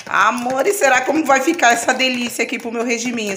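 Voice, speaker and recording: A woman's voice with light background noise. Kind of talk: casual cooking tutorial. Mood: cheerful, playful. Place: kitchen. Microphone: phone near.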